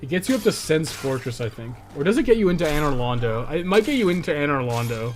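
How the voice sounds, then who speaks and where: A man speaks at a very fast pace, his pitch swinging very widely. Music plays in the background. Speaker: gaming streamer and guide maker. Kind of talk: casual live stream gameplay chat. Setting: live stream.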